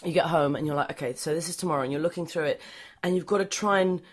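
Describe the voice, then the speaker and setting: A woman with a fairly low voice talking as a guest on a casual podcast. She thinks aloud, circles back on her own words and breaks into laughs. Her talk stays loose and unpolished. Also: fast talker, slightly rough. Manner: rambling, self-interrupting, laughs easily. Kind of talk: casual interview chat.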